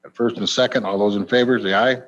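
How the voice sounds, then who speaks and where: A man's voice: fairly low pitch, steady tone, quick pace. Plainspoken man chairing a meeting, dull audio. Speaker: committee chairman. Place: county meeting room.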